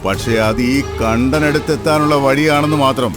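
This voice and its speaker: A man's voice: fairly high pitch, normal speed, over music, natural voice. A man voicing a bullying wildcat villain in a children's cartoon, taunting and menacing in manner. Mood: gloating.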